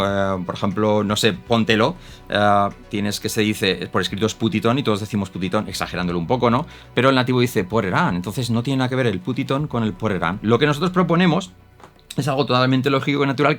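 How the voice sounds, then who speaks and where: Man explaining English pronunciation. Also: mid-range voice. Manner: animated, demonstrates pronunciations with exaggerated examples. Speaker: English teacher. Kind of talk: explanatory teaching talk.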